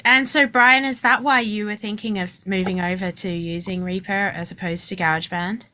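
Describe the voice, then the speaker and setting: A woman's voice: mid-range voice, steady tone, fairly quick, bright, forceful tone, a little hiss or hum. A woman hosting an interview, asking brief, polite questions. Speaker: podcast host.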